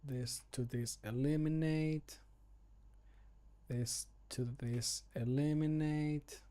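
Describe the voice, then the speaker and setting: A man in his thirties, a streamer and amateur voice actor, mutters to himself in a casual, self-deprecating way while he works in a room at home. His voice is slightly high, steady and mellow, and he speaks slowly into a close desk microphone.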